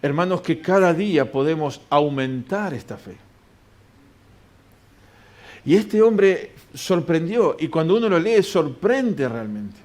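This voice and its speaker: Preacher, man, slightly high voice, reads scripture and answers his own questions in a sermon. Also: very animated, slow pace, a little mellow. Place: church.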